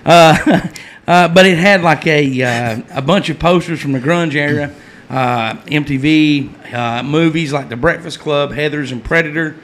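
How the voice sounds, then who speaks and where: A man's voice: a little high, a little slow, fairly bright tone. A man co-hosting a podcast, chatting in an easygoing way and laughing often. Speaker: podcast co-host. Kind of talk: casual chat.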